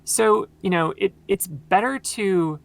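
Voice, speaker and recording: A woman with a very low voice, explaining at length in casual conversation with many fillers, her voice tired from long talking. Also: slow, vocal fry, no room sound. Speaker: podcast guest.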